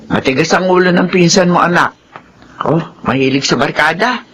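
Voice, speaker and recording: A woman's voice: fairly low pitch, moderate pace, a bit bright, husky. An older actress playing a grandmother who speaks with plain disapproval. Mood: disapproving.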